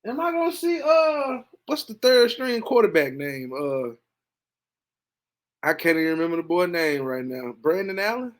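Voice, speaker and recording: A man hosting a podcast, reacting casually to a football game, animated and talkative, dropping to low mutters and jumping to excited high bursts. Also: normal speed. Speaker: podcast host. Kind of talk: casual sports reaction monologue.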